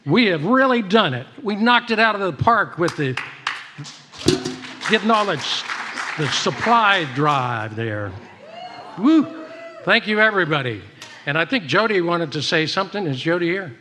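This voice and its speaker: A man's voice: high voice, big pitch swings, unhurried, pauses often, background noise. Upbeat man giving church announcements. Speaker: church service host making announcements. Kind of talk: informal spoken announcements to a congregation.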